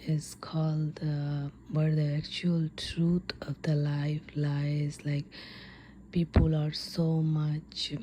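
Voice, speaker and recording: A woman telling a story ASMR-style, mostly in a breathy whisper, hushed and halting with frequent pauses. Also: sits low, a little hiss or hum.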